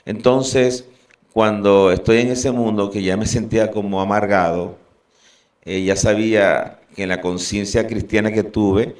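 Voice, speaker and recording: A man from Venezuela giving an earnest, halting personal testimony as a guest. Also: on the low side, fairly even intonation, a little mellow, recorded from a distance.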